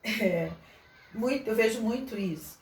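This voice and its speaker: A woman's voice: fairly high pitch, expressive, unhurried, recorded from a distance. A woman teaching a literacy lesson from a handout, thinking aloud with many fillers and restarts. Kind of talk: online lesson explaining a handout. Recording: echoey room, voice off-mic, faint noise.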